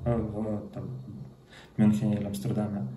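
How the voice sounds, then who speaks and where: Faint music plays in the background as a man speaks at a moderate pace amid audible room echo. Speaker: Russian emigrant interviewee; interviewee. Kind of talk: street interview. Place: home room.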